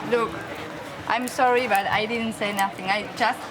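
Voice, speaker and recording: A young woman with a Spanish accent, insisting in halting non-native English. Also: a little high, steady tone. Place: busy airport terminal. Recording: clear crowd and background noise.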